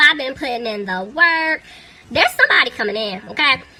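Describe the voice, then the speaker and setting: Noticeable background noise runs behind a woman speaking. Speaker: tarot reader. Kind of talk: tarot reading. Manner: casual, conversational.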